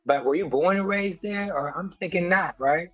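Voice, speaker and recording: A man's voice: sits high, moderate pace, a bit bright, dry recording, highs cut off, faint music behind. Playful slangy man interviewer. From Detroit, Michigan, US. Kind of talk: casual celebrity interview.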